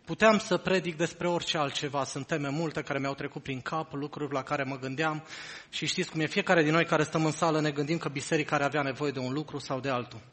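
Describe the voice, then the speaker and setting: A man preaching a sermon as pastor, reading scripture aloud slowly and earnestly. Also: a little high, fairly even intonation, a bit bright. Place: church hall. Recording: reverberant hall.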